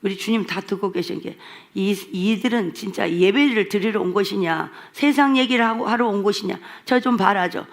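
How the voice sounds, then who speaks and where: A woman's voice: medium pitch, brisk. A woman pastor with a Jeolla accent preaching a revival sermon in an emphatic, repetitive, scolding manner. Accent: Jeolla Korean.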